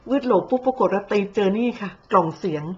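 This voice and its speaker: A woman's voice: medium pitch, fast, dull audio. A woman giving mocking, blunt commentary full of coarse slang, with a sarcastic edge. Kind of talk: sarcastic social media commentary.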